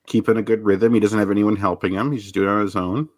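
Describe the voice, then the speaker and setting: Man, low voice, relaxed opinionated film chat, dry close recording. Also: fast talker, dry recording. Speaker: podcast co-host. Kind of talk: casual film commentary chat.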